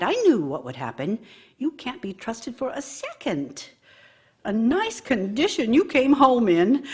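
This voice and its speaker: An actress playing a bitter, nagging wife in a radio drama, scolding her idle husband with theatrical sarcasm and scorn. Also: a little high. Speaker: actor in a radio play.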